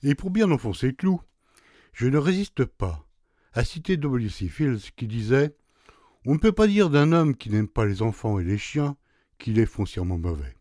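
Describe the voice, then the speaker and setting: A man's voice: mid-range voice, big pitch swings, normal speed, mellow, dry recording, studio quality. A man presenting on radio, reading a scripted introduction in a wry, literary, mock-solemn manner.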